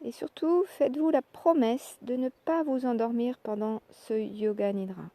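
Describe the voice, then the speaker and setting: A woman leading a guided yoga relaxation, speaking calmly and in measured short phrases with pauses. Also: fairly high pitch, no room sound. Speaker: yoga nidra relaxation instructor. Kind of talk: guided meditation, soft instructional narration.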